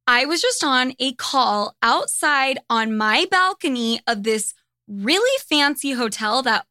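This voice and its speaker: A woman's voice: fairly high pitch, no room sound, studio quality. A young American woman hosting her podcast, telling stories candidly in a casual, profane way. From United States. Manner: profane, candid, animated storytelling. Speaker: podcast host.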